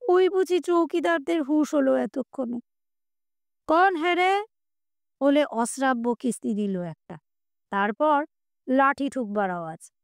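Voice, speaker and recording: Woman reading a story aloud, high voice, slow and measured, dry close sound. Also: creaky, no echo. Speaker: story reader. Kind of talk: scripted narration.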